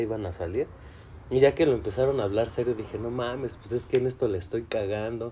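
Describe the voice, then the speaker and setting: A man with a Mexican accent and a dark, mellow tone speaks at a fairly quick pace. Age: 20s. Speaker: podcast co-host. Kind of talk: casual chat.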